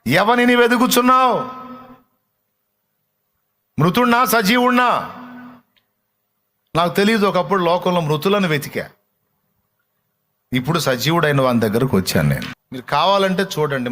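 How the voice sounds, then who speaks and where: A man's voice: medium pitch, fairly bright tone. A male pastor preaching an impassioned sermon, asking his congregation questions.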